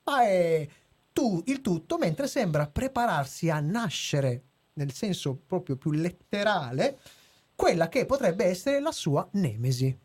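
A man's voice: high voice, big pitch swings, unhurried, a little mellow, breathy edge. A man co-hosting a podcast, reading a prepared review with some hesitations and chatting with co-hosts. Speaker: podcast host. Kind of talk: casual chat and read review.

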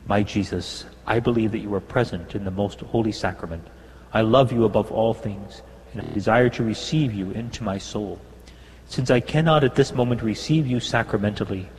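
A male priest reciting the Mass prayers in a large church, in a measured, solemn way. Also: lowish voice, a little mellow. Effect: cathedral echo, long reverb. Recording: long cathedral reverb with a faint hum.

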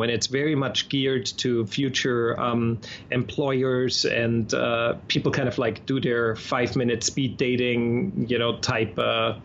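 A man's voice: mid-range voice, slight background noise. Chatty Austrian-accented man, lo-fi sound. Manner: chatty, frequent restarts and repeated words. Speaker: guest. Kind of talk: casual interview conversation.

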